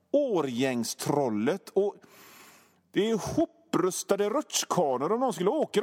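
A man hosting a radio show, telling a rambling absurd comic story in a deadpan way, with mild swearing. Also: sits high, big-room sound. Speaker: radio host.

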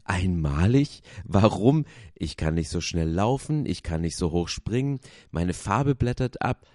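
A man's voice: sits low, expressive, unhurried, mellow, no echo, studio quality. A man voicing a small, timid male wooden puppet who sounds anxious and pleading.

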